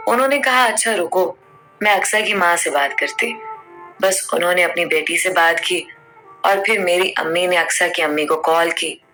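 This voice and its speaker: Woman, storyteller, heartfelt first-person narration, low-ish voice, bright tone.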